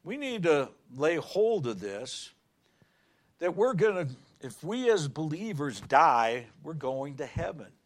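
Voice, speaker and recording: A middle-aged male pastor preaching a sermon in a folksy, animated way, shouting on key words and telling everyday stories. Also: on the high side, slow pace.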